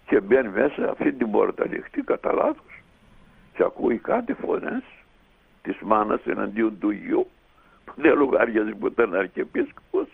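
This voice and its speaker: A man telling a long anecdote as a radio guest, in a lively, unhurried way. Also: on the low side. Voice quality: gravelly and husky. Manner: lively, animated retelling with many pauses. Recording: tinny phone line on radio.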